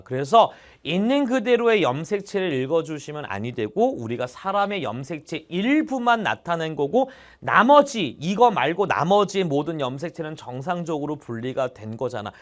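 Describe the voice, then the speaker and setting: Young male tutor, high and lively delivery, exclaims mid-explanation, constant "got it?" check-ins. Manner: chatty, checks in with students constantly. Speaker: biology tutor. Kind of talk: online exam-prep lecture.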